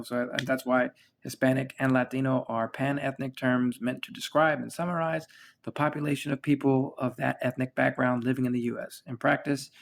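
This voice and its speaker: With a gravelly, mid-range voice, this American podcast host chats loosely, rambling and restarting with many fillers along the way.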